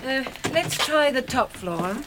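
An anxious young British woman in a 1960s radio drama. She is genteel and hesitant, with a fairly high, emotional voice, and the old recording is clearly noisy. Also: expressive, slow. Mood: hesitant, uneasy.

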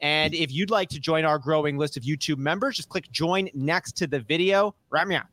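A man with a notably high voice hosts a podcast, full of energy and racing through lists. The sound is close and dry, with no room echo at all. He keeps an eager, upbeat casual-chat manner. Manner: energetic, rattles off lists quickly. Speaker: podcast host.

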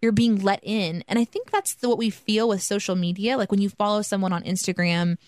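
A woman's voice: medium pitch, steady tone, brisk, a little mellow, dry recording, studio quality. A woman co-hosting a podcast from home, chatting earnestly and recommending a show. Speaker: podcast co-host. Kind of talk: casual podcast chat. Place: at home, recording remotely.

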